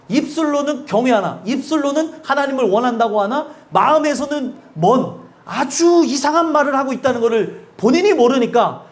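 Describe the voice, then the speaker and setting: A male pastor preaches an emphatic yet conversational sermon, frequently putting questions to the congregation. When quoting others, he acts them out with sudden drops in pitch and volume.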